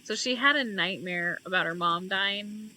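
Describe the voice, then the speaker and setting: A woman's voice: mid-range voice, normal speed. A woman hosting a let's play, casually reading the game's story text aloud and commenting on it. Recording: loud background noise.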